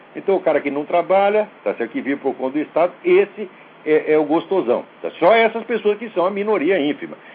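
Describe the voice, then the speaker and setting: A man's fairly quick speech with very wide pitch swings against noticeable background noise. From Brazil. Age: 60s. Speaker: radio show host. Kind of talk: call-in show commentary. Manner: animated.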